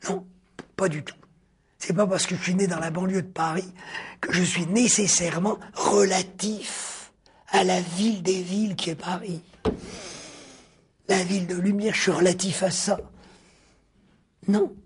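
A man with a very husky, breathy voice delivers a philosophy lecture in deliberate, stretched-out phrases. He keeps returning to key words for emphasis and sometimes sinks into a hushed near-whisper. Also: high voice, fairly even intonation. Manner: deliberate, drawn-out phrasing with sudden hushed drops.

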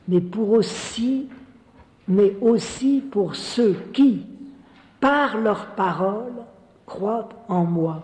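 A man's voice: sits high, dark tone. A man giving a spiritual teaching talk in an earnest manner, often repeating words and tossing in little "hein" asides. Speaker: preacher. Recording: reverberant hall.

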